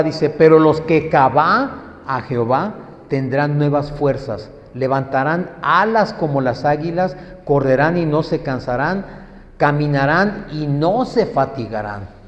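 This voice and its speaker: A man delivers a sermon at a deliberate, unhurried pace, stressing key words and asking his listeners questions. His voice sits a little high for a man. It rings with long reverb through a church hall, captured on dull, lo-fi audio. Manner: slow, emphatic teaching with questions to the audience. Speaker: preacher. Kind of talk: sermon teaching. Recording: echoey hall, dull lo-fi sound.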